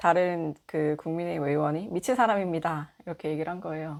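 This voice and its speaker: A woman's very deep, low voice with ordinary pitch variation, in a very clean recording with a silent background. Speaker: independent media commentator. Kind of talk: political commentary.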